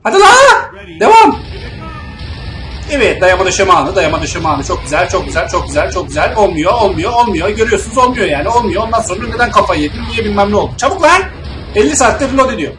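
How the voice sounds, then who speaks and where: A young man plays through a shooter game and talks the whole time, muttering calm asides and then suddenly yelling and cursing at the enemies. His pitch leaps around wildly. The room is echoey, with game music playing faintly behind him. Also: quick pace. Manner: excitable, yells and swears at enemies, then mutters calmly. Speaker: gamer playing a video game. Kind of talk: let's play commentary.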